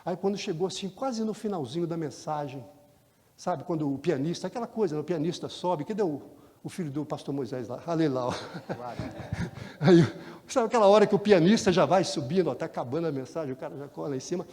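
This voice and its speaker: A man, preaching a sermon and telling stories, animated and talking straight to the congregation in a church. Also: a little high, brisk. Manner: animated, talks directly to the congregation. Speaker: pastor. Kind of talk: sermon with storytelling. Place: church sanctuary. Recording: long church hall reverb.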